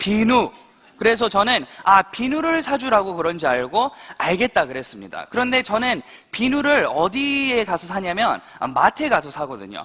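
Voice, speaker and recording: An American-accented man speaks at a moderate pace in a high, bright, sharp voice. His delivery is animated, with very wide pitch swings. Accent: American accent in Korean. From United States. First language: English (speaking Korean). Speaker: network marketing speaker. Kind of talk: seminar lecture. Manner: animated, asks audience questions.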